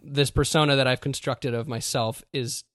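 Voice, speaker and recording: A man's voice: mid-range voice, steady tone, moderate pace, fairly bright tone, no room sound, clean studio sound. A man hosting a podcast in casual chat, self-deprecating and laughing often. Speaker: podcast host.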